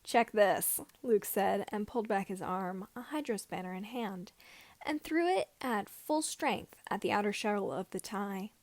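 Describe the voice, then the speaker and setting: A woman narrating scripted fan fiction as an amateur reader, with somewhat halting phrasing. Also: medium pitch, a little mellow, no echo.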